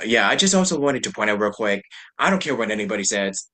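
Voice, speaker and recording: Rambling low-voiced podcast host, a man. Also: very animated, quick pace, sharp tone. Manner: rambling, loose, laughs easily. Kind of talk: casual chat.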